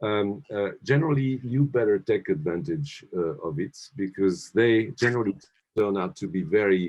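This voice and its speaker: A man with a French accent speaks at a fairly low pitch and a moderate pace. His intonation is lively. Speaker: academic, architecture lecturer. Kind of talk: event introduction. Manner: halting, many fillers.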